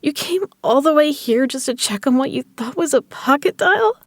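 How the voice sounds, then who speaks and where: A woman's voice: high-pitched, expressive, normal speed, no echo, studio quality. A woman acting a stubborn, injured gambler in an audio drama, strained but defiant. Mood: puzzled, uneasy.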